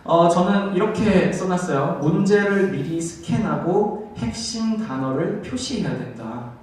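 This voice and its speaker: Captured by a distant camera mic in an echoey language-school classroom with faint hiss, a man lectures his TOEIC class. His voice sits high with lively intonation at a measured pace, and he explains things step by step while regularly checking in with students.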